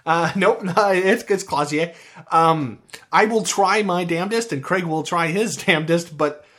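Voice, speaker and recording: A man's voice: high-pitched, unhurried, a bit bright. American man in rambling podcast chat. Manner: rambling, with frequent restarts and fillers. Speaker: podcast co-host. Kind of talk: casual chat.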